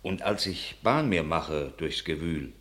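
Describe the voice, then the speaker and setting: Deep-voiced, earnest country messenger. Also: male voice, animated, fairly bright tone, heavily acted. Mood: bewildered. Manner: grave, declamatory, measured storytelling. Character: earnest countryman bringing grave news of war. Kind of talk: classical German radio play acting.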